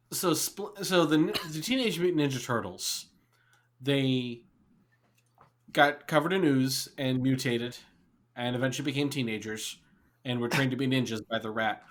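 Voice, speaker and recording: A man's voice: medium pitch, a little hiss or hum. A man co-hosting a podcast, explaining things in a wry, joking way. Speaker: podcast co-host. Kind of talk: casual chat.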